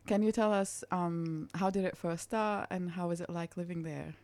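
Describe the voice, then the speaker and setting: A woman hosting a community radio show, chatting casually with a guest and filling pauses with um and yeah. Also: fairly low pitch, steady tone, no echo. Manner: warm, chatty, many fillers like um and yeah.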